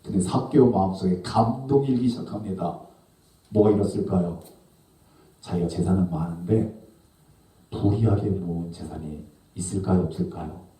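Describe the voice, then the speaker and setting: A male pastor preaching a sermon, swinging between loud questions and hushed, low asides. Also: moderate pace. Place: church sanctuary. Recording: echoey church hall from a distance.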